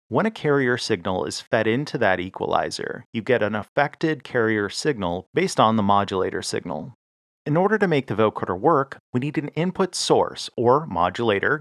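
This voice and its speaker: A man narrating a scripted tutorial, giving clear step-by-step instructions. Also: fairly low pitch, no room sound, studio quality. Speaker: host of a music gear tutorial channel.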